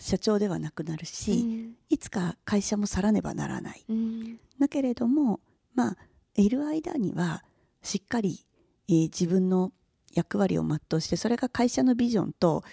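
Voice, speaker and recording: Her voice is medium-pitched, somewhat breathy and dark and mellow in tone, and the woman speaks at a moderate pace with lively intonation in a dry, close sound with no echo. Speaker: company president. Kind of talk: casual chat.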